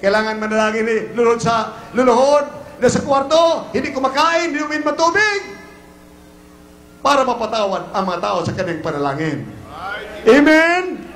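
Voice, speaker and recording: A Filipino man preaching a fiery sermon as pastor, breaking into shouted exclamations. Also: extremely high pitch, normal speed, roomy sound.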